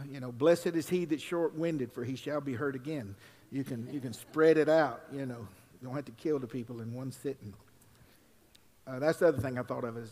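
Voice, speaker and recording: An older man, a pastor preaching at a pulpit microphone, mixing folksy asides with loud, drawn-out scripture reading. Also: mid-range voice. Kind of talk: sermon. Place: church sanctuary. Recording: long reverb in a church hall.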